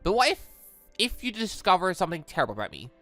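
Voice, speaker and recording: A let's player voicing an anxious, earnest robot girl from a visual novel, gentle and hesitant. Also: medium pitch, huge pitch swings, fast, soft background music.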